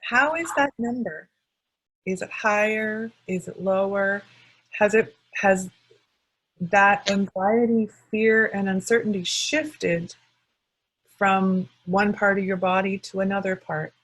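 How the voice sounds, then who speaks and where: Breathy woman leading a tapping session. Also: mid-range voice, slow pace, low-quality recording. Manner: calm, leads with short phrases for repeating. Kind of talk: guided call-and-response tapping session.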